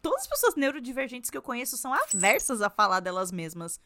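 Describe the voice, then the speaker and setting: Young São woman, podcast co-host, blunt and profane, animated pitch. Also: fast. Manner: blunt, swears freely, animated storytelling. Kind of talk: casual chat.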